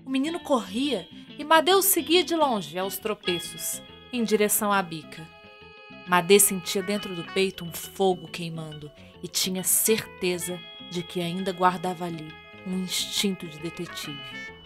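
A woman's voice: on the low side, measured pace. A Brazilian woman narrating a scripted radio drama as a theatrical storyteller. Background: music with guitar.

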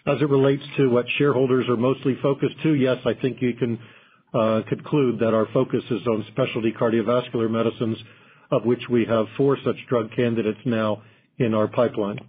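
A man speaking as a company executive on an investor call, giving measured, carefully qualified corporate answers. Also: mid-range voice, level tone, slightly rough. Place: conference call. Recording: muffled narrow phone line.

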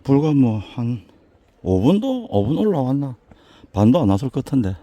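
Climbing a mountain trail outdoors, an older man speaks in a heavy Busan Gyeongsang dialect, folksy and joking as he vlogs his tour of local alleys. His medium-pitched voice is hoarse, a bit raspy, mellow and dark, very animated at a moderate pace, and he's winded from the climb; there's no echo in this casual walking vlog.

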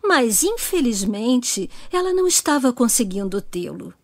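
A Brazilian woman narrates a children's story. She speaks slowly and very expressively in a fairly high voice, with music playing underneath. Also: sing-song, no room sound.

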